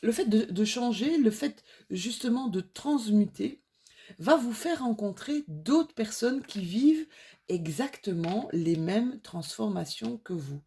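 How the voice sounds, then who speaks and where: Woman doing a card reading, bit of a cold, gravelly and mellow, slight hiss behind. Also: medium pitch, lively intonation, takes it slowly. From France. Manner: soothing, reassuring, many fillers and restarts. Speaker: tarot card reader. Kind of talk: intuitive card reading for viewers.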